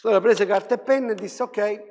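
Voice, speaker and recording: A male pastor delivering a fervent sermon, dropping to a hush and then rising to shouts. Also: high-pitched, expressive, moderate pace. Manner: fervent preaching that swings between hushed and shouted. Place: church hall. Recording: long hall reverb.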